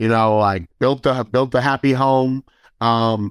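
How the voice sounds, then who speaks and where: In a very clean recording with a silent background, a man with an American accent speaks at a moderate pace and medium pitch. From US Midwest. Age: 40s. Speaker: hip-hop A&R and music executive. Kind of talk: interview. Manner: animated.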